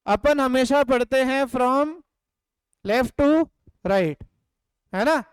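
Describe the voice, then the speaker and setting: A man's voice: very high-pitched, extremely slow, smooth, no room sound. A man teaching an economics class, drilling his students with question-and-answer prompts. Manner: drills points with call-and-response. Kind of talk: live class lecture. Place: classroom or home studio.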